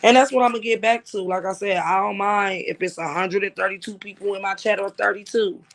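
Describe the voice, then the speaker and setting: High-voiced man ranting on a livestream. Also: fairly even intonation, brisk, vocal fry, fairly bright tone, a little hiss or hum. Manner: emphatic, profane, repeats "like I said". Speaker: livestream host. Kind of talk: casual livestream talk.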